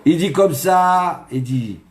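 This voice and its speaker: A man's voice: fairly high pitch, lively intonation, slow pace, roomy sound. A man, a rabbi, preaching by telling a story and acting out its dialogue. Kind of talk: storytelling sermon.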